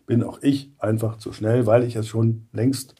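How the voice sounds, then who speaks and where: Husky older man, mellow storyteller. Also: mid-range voice, moderate pace. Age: 60s. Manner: lively storyteller, acts out little scenes. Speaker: voice actor guest. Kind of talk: casual interview chat.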